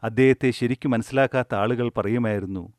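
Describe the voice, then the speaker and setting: A man who teaches meditation gives a spiritual discourse in a calm, measured and earnest way. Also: medium pitch, no echo, clean studio sound.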